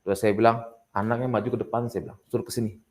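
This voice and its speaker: Man, middle-aged, low voice, animated testimony, swings to loud prayer. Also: very fast. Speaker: evangelist guest. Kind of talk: testimony interview.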